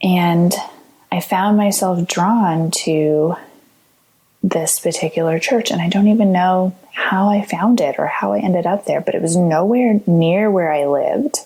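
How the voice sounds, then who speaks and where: A woman speaks at a fairly slow pace in a normal speaking voice, her pitch medium. Her loudness stays very even, and her pitch varies in an ordinary way. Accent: Canadian. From Ontario, Canada (Ottawa and London). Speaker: writer and photographer. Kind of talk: interview conversation. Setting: podcast interview.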